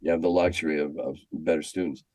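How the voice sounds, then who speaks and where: An older American man reminiscing in a casual, halting, anecdotal way, often repeating himself as he goes. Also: a bass voice, fairly even intonation, crowd noise. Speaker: guest, former schoolteacher. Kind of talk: casual storytelling interview.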